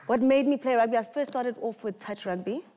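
A woman's voice: a little high, brisk, dark tone. Eager young woman contestant on a TV game show. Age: 20s. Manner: eager, lists her strengths confidently. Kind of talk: answering host's questions. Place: TV studio game show set. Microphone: podium mic. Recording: studio audience and noise behind.

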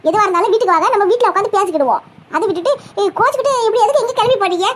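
A woman's voice: extremely high pitch, animated, rapid-fire. A woman voicing an anxious, emotional young fiancée in a cartoon, with a fretful, pleading way of talking. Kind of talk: cartoon comedy voice acting.

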